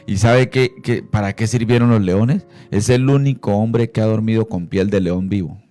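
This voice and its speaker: A man preaching on Christian radio, fervent, often calling out to his brothers and rising into loud, high preaching. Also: moderate pace, faint music behind. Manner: fervent, repeats "hermano" and "aleluya". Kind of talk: radio sermon.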